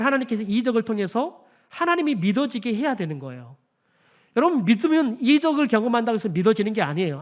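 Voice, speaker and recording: A man preaching a Sunday sermon as pastor in a church. He keeps addressing the congregation directly, asks questions and answers them himself, and swings between emphatic lines and hushed ones. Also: high voice. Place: church sanctuary.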